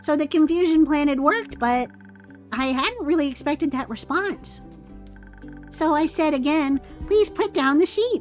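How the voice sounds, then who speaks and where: Someone uses a put-on character voice at a moderate pace. Clear music plays in the background. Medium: game stream. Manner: soft-spoken, earnest, dreamy.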